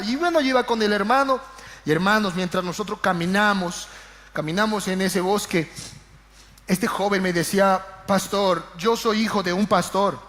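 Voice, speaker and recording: A man pastor preaching a sermon, telling a story with repeated phrases and stammers, dropping to hushed low passages and then rising in quick bursts. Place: church. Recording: long church-hall reverb.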